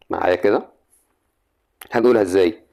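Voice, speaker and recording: A man's voice: lowish voice, vocal fry, warm tone. Young Egyptian man, English teacher, coaxing chatty lesson delivery. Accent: Egyptian Arabic. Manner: chatty, coaxing, asks the student questions. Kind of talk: exam grammar lesson.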